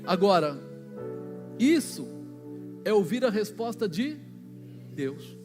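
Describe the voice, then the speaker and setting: High-voiced Brazilian pastor preaching in a hall. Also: male voice, sing-song, slow. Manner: colloquial storytelling, acting out dialogue. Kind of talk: sermon. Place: church. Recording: long church hall reverb with music behind.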